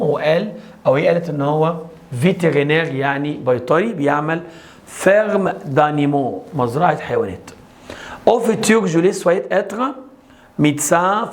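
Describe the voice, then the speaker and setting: Egyptian guy going over french homework, voice a bit high, reads the french slow then explains fast. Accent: Egyptian Arabic. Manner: reads French slowly, explains quickly in colloquial Arabic. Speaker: French teacher. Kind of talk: exam homework walkthrough.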